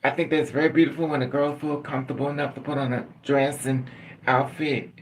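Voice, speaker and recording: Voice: mid-range voice, flat delivery, brisk. A middle-aged livestream host chatting casually and candidly with viewers, laughing often and calling on them by name.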